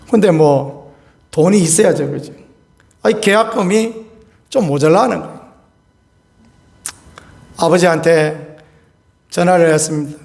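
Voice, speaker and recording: A pastor in his fifties preaches with a high, light voice. He tells a homely personal story in a folksy, animated way, chuckling as he goes. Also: gravelly.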